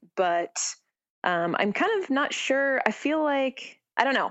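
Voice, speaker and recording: A woman's ordinary speaking voice, with lively intonation and a fairly slow pace. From Central California. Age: 30s. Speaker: punk singer. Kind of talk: casual interview. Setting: phone call.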